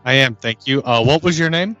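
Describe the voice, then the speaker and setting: A man improvising dialogue as a player in a tabletop game, in a measured, polite manner. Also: medium pitch, bright, forceful tone, dull audio, soft background music.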